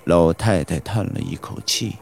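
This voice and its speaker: A man narrating a horror audiobook in a slow, suspenseful storytelling manner. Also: low-pitched, gravelly, darkish tone. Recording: audiobook with background music.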